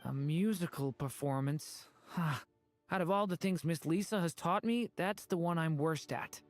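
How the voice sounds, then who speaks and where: A woman's voice: sits low, normal speed, faint music behind, natural voice. A woman voicing an earnest, hesitant young pupil in a game. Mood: unsure.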